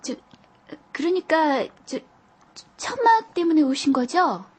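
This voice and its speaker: A shy, eager young girl, voiced by a woman, speaks in an audiobook, bashful and prone to stammering. Her voice is high and flits up and down in lively swoops. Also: moderate pace. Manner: bashful, stammering when nervous.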